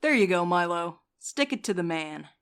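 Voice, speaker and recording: A woman voicing a composed, wry courier in an audio drama, calmly taking charge and teasing the others. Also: on the low side, moderate pace, clear, resonant tone. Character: dry, scheming woman courier, coolly in charge. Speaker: night courier Val.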